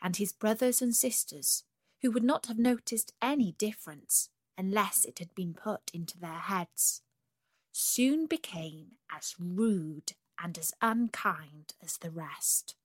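Woman reading a fairy tale, slow and breathy, dry close sound. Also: medium pitch, expressive, dry recording. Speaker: storyteller. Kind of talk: storybook reading.

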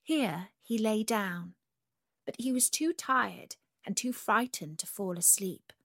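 Slow, breathy woman reading a fairy tale. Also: medium pitch, fairly bright tone, dry recording. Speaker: storyteller. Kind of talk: storybook reading.

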